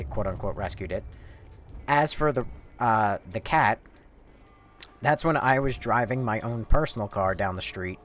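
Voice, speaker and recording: A man streaming a game, telling a story in a rambling, profane, casual way. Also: medium pitch. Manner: rambling, profane, laid-back.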